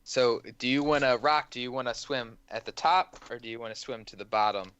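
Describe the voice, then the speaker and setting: A man's voice: medium pitch, a little fast, a bit bright, clean tone, no echo, muffled recording. A man playing a tabletop game casually, self-deprecating and stammering on the first words of his sentences. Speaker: player.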